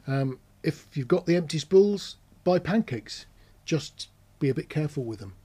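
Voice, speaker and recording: Husky-voiced man explaining things casually. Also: fairly high pitch, expressive, moderate pace, mellow. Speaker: presenter of an audio gear channel.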